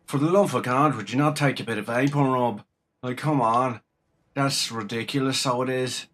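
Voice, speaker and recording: A man's voice: medium pitch, normal speed, a bit bright, slight background noise, lightly acted. A man mimicking a nasal, scolding local from Dublin. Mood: exasperated.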